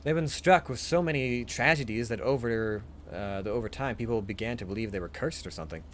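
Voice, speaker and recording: A man's voice: mid-range voice, brisk, a little hiss or hum, close to an everyday voice. A man voicing a talkative, teasing male sidekick to a detective in a visual novel, in a conversational way. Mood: grave, confiding.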